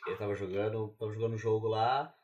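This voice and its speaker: A man with a Brazilian Portuguese accent co-hosting a podcast, telling a story in quick, slangy casual chat. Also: lowish voice, steady tone, a little mellow, lo-fi sound. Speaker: podcast co-host.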